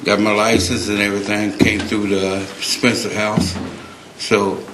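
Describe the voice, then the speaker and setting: A man speaking at a city council public comment, emotional, halting and earnest, with many restarts. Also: fairly low pitch, little pitch movement. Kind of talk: public comment, unscripted plea. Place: council chamber. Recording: echoey council chamber, faint noise.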